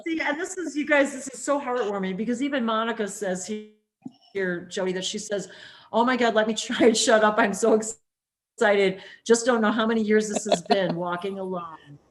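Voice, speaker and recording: A woman hosting a spiritual interview, talking in a rambling, animated way with plenty of fillers. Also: mid-range voice, normal speed. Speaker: host. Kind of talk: casual spiritual interview chat.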